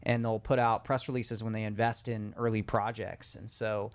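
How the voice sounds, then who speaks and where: A man's voice: fairly low pitch, level tone, moderate pace, clear, resonant tone. A man co-hosting a money podcast in casual chat, speaking thoughtfully and hedging his points. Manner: thoughtful, hedging, many fillers.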